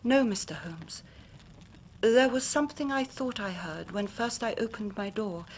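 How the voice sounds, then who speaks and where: An actress playing a young woman who earnestly recounts a tragedy to a detective, often dropping to a hush. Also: medium pitch, a little slow, slight background noise, natural voice. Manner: earnest, dramatic storytelling with hushed passages. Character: young woman recounting her sister's death. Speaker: client telling her story. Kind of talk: radio drama acting.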